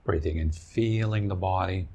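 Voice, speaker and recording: A man with a low voice guides a meditation. He gives soft-mannered, unhurried instructions in short phrases, leaving space between each one, as a teacher would for a student.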